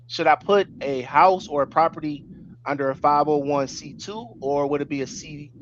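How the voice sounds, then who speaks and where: A man from Ohio co-hosting a casual webinar over an online call, asking questions in halting, hesitant phrases. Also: a little high. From Ohio, United States. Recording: dull lo-fi call, faint noise.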